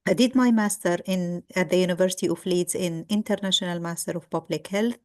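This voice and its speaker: A middle-aged woman from Egypt gives a guest lecture over a video call. She talks at a measured pace, pausing on ums and restarting sentences as she goes. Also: on the low side, a little mellow. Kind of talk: online lecture.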